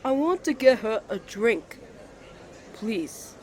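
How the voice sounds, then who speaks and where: A man plays a sweet, shy young man in a romantic audio roleplay. His voice sits high and jumps around in pitch, earnest and easily flustered, with faint noise behind it. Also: very animated, slow pace, a little mellow, full character voice. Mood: flustered, defensive. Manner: nervous, stammering, earnest. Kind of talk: ASMR romantic roleplay acting.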